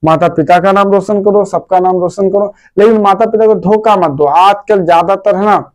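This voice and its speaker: A man's voice: high voice, moderate pace. A man teaching a casual grammar lesson, talking to his pupils in a fatherly, repetitive way and asking and answering his own questions. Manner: fatherly, repetitive, addresses students as dear children.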